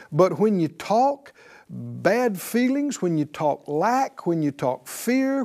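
A man's voice: high voice, mellow. A man preaching a sermon as pastor, exhorting his congregation with call-and-response and repeating phrases for emphasis.

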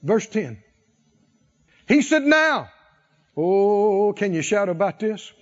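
A man's voice: high-pitched, slow pace, a little mellow, dull audio. A man preaching a sermon in a church, telling the story in a folksy way and calling for responses from the congregation. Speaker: pastor.

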